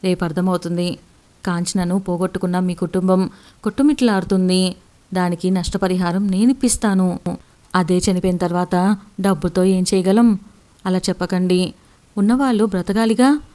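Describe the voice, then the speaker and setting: Woman reading anxious young working woman, earnest, mellow voice, storybook. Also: on the low side, steady tone, moderate pace, long pauses, lightly acted. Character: young woman worker, anxious but resolute.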